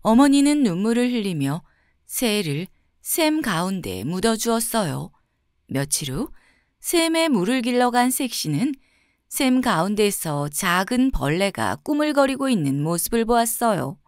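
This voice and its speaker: A woman reads a folk tale aloud as a bedtime story. Her delivery is soft and expressive, and her pitch moves a great deal. The recording is close and dry. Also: unhurried, dry recording.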